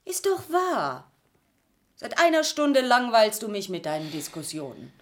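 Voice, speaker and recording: Jumpy plaintive wife, high voice, swinging pitch, slight hiss behind, drama. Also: female voice, huge pitch swings, unhurried. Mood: peevish. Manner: fretful, plaintive. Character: anxious, fretful wife, easily frightened.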